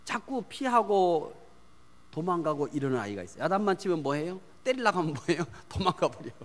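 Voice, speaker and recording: Male pastor, sermon delivery, somewhat high voice, answers his own questions, drops to a whisper for emphasis, echoing church hall. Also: sing-song, a little fast. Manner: asks the congregation questions and answers them himself; swings from loud emphasis to hushed near-whispers. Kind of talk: sermon on parenting. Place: church sanctuary. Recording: long church hall reverb.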